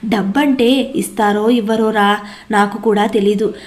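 A woman's voice: medium pitch, steady tone, measured pace, natural voice. A woman voicing a timid, obliging male servant who speaks fearfully and deferentially in a storybook tale.

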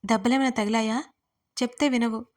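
A woman's voice: on the high side, fairly even intonation, fairly quick, lightly acted. A woman voicing an anxious middle-aged mother who scolds her daughter in a storybook reading. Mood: worried. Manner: fretful, scolding.

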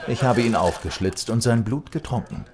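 An actor in a German radio play playing a smug, arrogant male vampire with a husky voice. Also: mid-range voice, normal speed, darkish tone, slight background noise, lightly acted. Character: smug male vampire seeking to rule Brooklyn.

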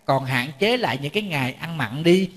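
A fairly bright, high-leaning voice carries this monk's animated and fairly quick storytelling sermon. Joking with listeners and often repeating words, he speaks in a temple lecture hall whose reverb fills the recording.

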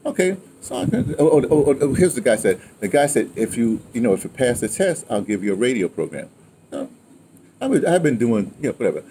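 With a mid-range voice and a brisk pace, a sixty-something American man, appearing as a guest, tells casual stories from his radio days. He's animated, rambling, and prone to tangents, tacking "right?" and "you know" onto many phrases. Clear ambient sound comes through from the outdoor setting beside a house with a wooden awning.

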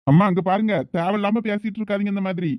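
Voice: mid-range voice, steady tone, very fast, a little mellow, no echo, lightly acted. A performer playing an irritated college-going son arguing with his mother in a village comedy skit, with a Thoothukudi Tamil accent. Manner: irritated, argumentative.

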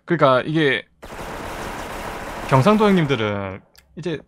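A man's voice: mid-range voice, big pitch swings, measured pace, background noise. Male game streamer, Gyeongsang accent, casual chatter. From South Korea, Busan. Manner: chatty, reads out chat and thanks viewers. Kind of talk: casual live-stream chat while playing.

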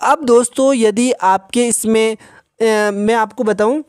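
A man patiently explaining a phone repair step by step in a tutorial voice-over, often pausing to check in with the viewer. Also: high voice, fairly even intonation, smooth, no echo, studio quality. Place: voice-over over a drawn circuit diagram.

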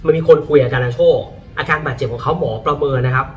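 A man talking about football in a casual, lively way, often breaking into exclamations. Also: medium pitch, quick pace, distant mic, slight background noise. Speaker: football pundit. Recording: voice a bit off-mic, faint music behind.

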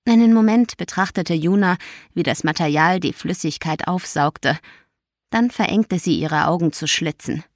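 A woman narrating an audiobook in a calm, even storytelling voice. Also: on the low side, normal speed, no echo, studio quality. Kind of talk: scripted narration.

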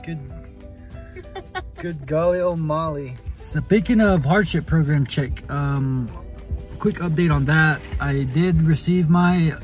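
A man's voice: on the high side, takes it slowly, faint music behind. A man in his thirties with a Navajo reservation Native American accent, chatting casually and playfully to a phone camera inside a truck. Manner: jokey, playful. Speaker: family vlogger. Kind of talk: casual vlog chat to camera. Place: inside a parked pickup truck. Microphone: phone at arm's length.

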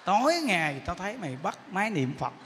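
A monk playing a scolding, nagging wife. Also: male voice, high-pitched, sing-song, a little fast, big-room sound, background noise. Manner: scolding, sarcastic questions.

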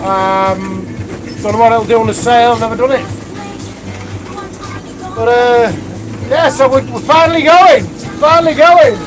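A man's voice: very high voice, fairly even intonation, a little slow, pauses often, rough recording. A man in his forties vlogging live from a sailboat on a river, talking in a rambling, sweary, chatty way into a phone held at arm's length. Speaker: vlog host. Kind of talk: casual live sailing vlog. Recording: wind noise and loud music. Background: boat engine, wind and music.

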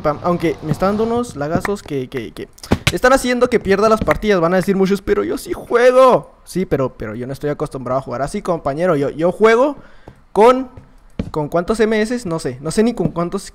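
A man giving excitable live commentary over his own gameplay, swearing and yelping when things go wrong. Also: sits high, background noise. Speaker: gaming video creator.

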